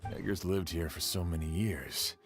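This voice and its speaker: An actor playing a gruff, skeptical adult sheriff in a video game, questioning things with a weighty manner. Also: male voice, low voice, moderate pace, lightly acted. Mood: doubtful. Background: game music.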